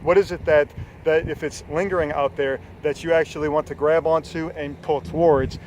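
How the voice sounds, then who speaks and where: A man's voice: a little high, fairly even intonation, moderate pace, a little mellow, a little hiss or hum. A man in his forties, a health coach, giving an earnest, rambling motivational talk with many fillers and casual swearing. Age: 40s. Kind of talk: unscripted motivational talk to camera.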